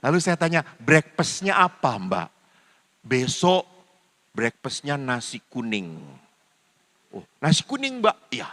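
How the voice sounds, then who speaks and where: A man's voice: medium pitch, wildly swooping pitch, takes it slowly, long pauses, a bit bright. An older man, a Catholic priest, preaching a humorous sermon and acting out the dialogue in his stories. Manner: storytelling, mimics dialogue with voice changes. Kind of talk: humorous sermon with acted anecdotes. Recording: reverberant hall sound.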